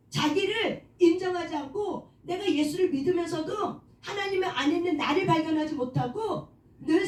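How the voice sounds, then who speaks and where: A woman's voice: sits high, a little mellow, recorded from a distance. A woman leading a prayer meeting, preaching on forgiving oneself, asking the audience questions, answering them herself and calling for amens. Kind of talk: sermon on self-forgiveness. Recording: echoey room, voice from off-mic.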